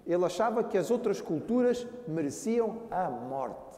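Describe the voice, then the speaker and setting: Brazilian pastor preaching in an echoey hall. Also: male voice, high-pitched, big pitch swings, normal speed, mellow. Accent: Brazilian Portuguese. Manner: earnest preaching, addresses listeners as brothers. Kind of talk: sermon. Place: church hall. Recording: echoey church hall with long reverb.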